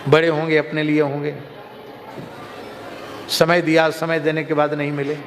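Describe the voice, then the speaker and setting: High-voiced man preaching in a reverberant hall. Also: normal speed. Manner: storytelling, lively anecdotes. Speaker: katha preacher. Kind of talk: religious discourse. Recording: reverberant hall, faint noise.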